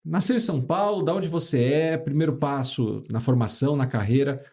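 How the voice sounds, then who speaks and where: A man's voice: medium pitch, fairly quick, a little mellow. A man hosting an interview podcast, enthusiastically affirming his guest and leading him with questions. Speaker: podcast host.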